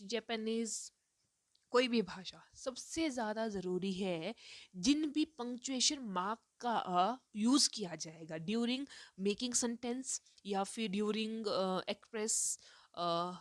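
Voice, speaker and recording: Brief: woman lecturer, mid pitch, explains step by step with English terms mixed in, pauses on "uh", dry close recording. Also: no echo. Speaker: teacher. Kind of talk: recorded lecture on teaching reading.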